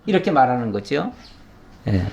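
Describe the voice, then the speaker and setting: A man's voice: medium pitch, big pitch swings, moderate pace, vocal fry, darkish tone, a little hiss or hum. A middle-aged male pastor giving a verse-by-verse Bible lesson, briefly acting out the voices of mockers as he explains. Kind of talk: Bible teaching sermon.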